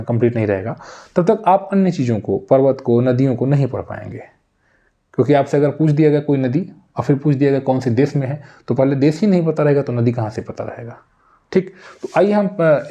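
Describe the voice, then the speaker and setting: A man with a medium-pitched, warm voice and a Hindi accent teaches an exam-prep geography lesson using a map. He drills country names over and over and addresses his viewers directly.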